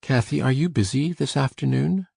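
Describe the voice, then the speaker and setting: A sullen, resentful teenage farm boy speaks low and gruff, as a woman reader puts him on. The voice sits very deep and husky, with a dark tone. It is recorded dry and close. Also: normal speed, no room sound, heavily acted.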